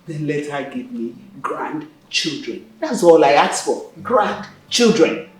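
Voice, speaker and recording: A woman's voice: sits low, very animated, takes it slowly, roomy sound, exaggerated voice. A woman playing a bossy mother. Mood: scolding. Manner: scolding, bossy. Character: domineering middle-aged mother demanding grandchildren. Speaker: actor. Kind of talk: melodrama acting.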